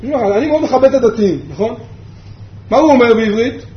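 High-voiced rabbi in an echoey room. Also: male voice. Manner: asks the class rhetorical questions, repeats key points. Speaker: rabbi teaching a yeshiva class. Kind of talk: Torah lesson. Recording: echoey room, dull sound, faint background hum.

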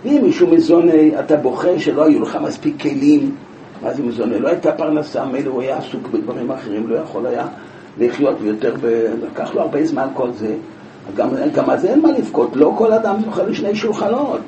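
A man teaching a Talmud class, telling the story with lively rhetorical questions. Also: mid-range voice, dull audio. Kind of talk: Talmud class, explaining a passage. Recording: echoey room from far off, with background noise.

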